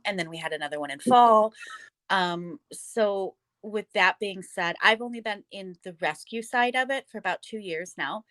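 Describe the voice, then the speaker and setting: A woman's voice: lowish voice, a bit bright, no echo. A woman from Wisconsin with a Wisconsin accent, answering interview questions about her cat cafe in a plainspoken, matter-of-fact way with dry humor.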